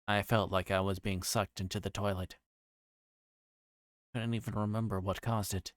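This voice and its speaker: A man's voice: fairly low pitch, little pitch movement, normal speed, dry recording, clean studio sound. A man livestreaming a visual novel, reading the narration aloud with casual asides and occasionally stumbling over and repeating lines.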